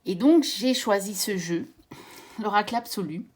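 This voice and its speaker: Slow, breathy Belgian-born woman. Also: medium pitch. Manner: gentle, measured, pauses with fillers. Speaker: tarot and oracle card channel host. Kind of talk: casual card deck presentation.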